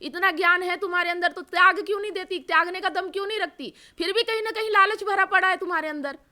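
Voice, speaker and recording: A woman with a very high, bright voice lecturing someone on their life. She scolds in a stern, repetitive way, firing one rhetorical question after another. Her tone stays forceful. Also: quick pace. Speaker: spiritual advisor. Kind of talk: scolding counsel.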